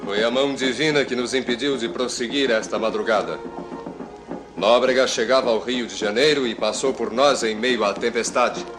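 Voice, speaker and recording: A man's voice: mid-range voice, moderate pace, over music, natural voice. A man playing a devout, grave young captain in a 1960s radio drama.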